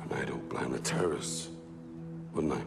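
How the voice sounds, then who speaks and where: A man's voice: very deep voice, normal speed, creaky, exaggerated voice. A man playing a terse, dry-witted, middle-aged British army captain in cinematic game dialogue. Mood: measured persuasion. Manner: terse, understated. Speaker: military captain. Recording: loud music behind. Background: loud cinematic music.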